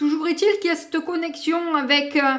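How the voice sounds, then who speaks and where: A woman with a strong French accent. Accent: strong French accent in English words. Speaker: tarot reader. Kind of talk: tarot reading for viewers. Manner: hesitant, many filler sounds.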